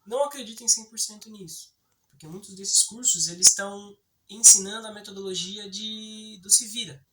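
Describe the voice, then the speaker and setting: Brazilian guy, bright voice, chatty english tips video, keeps going "tá bom?" at the viewer. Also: sits high, fairly even intonation, moderate pace, low-quality recording. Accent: Brazilian Portuguese. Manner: chatty, often checks in with the viewer. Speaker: English teaching YouTuber. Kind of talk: casual explainer video.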